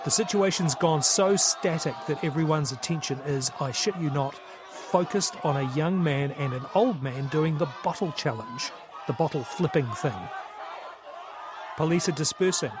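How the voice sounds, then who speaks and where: A man filming a street protest on his phone, giving dry, wry commentary as things happen. His voice sits a little high, and loud crowd noise and city ambience fill the background of the phone recording. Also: moderate pace. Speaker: reporter on the ground. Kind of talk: live commentary on phone video. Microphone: phone camera. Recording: phone video in a noisy crowd.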